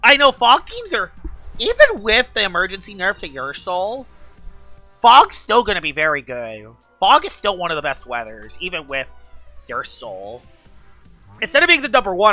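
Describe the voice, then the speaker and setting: A woman game streamer talking excitedly in a casual live-stream chat, gushing and chatty. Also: mid-range voice, no echo.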